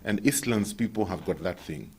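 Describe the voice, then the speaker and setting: A man with a Kenyan accent hosting a talk show, telling stories and asking questions in a lively way. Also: fairly low pitch, moderate pace, slightly rough. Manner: animated storyteller who poses questions. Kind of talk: casual talk-show discussion.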